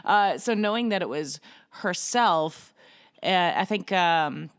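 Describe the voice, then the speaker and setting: Low-voiced woman co-host thinking aloud. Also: expressive, clean tone. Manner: thinking aloud, halting, many fillers. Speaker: podcast co-host. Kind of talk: casual chat.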